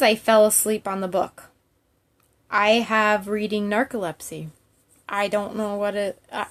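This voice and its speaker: A woman chatting casually to viewers as a livestream host, candid and rambling in a giggly, informal way. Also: a little high.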